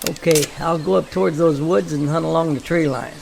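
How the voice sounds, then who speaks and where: A man playing an easygoing, plain-spoken hunting companion with a creaky voice in an amateur audio drama. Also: a little high, fairly even intonation, brisk. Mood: relaxed. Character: agreeable, easygoing hunting buddy in the wilds. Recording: clear background noise.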